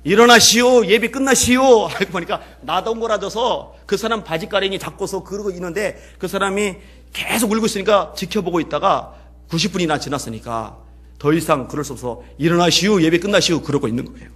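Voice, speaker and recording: A man preaching as pastor, telling a story and swinging between hushed passages and loud, emotional peaks. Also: high voice, fairly quick, husky. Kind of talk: sermon. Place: church.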